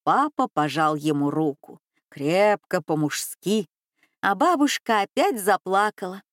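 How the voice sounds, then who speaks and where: A woman narrating a children's story, reading in an unhurried, expressive way. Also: lowish voice, no room sound, clean studio sound.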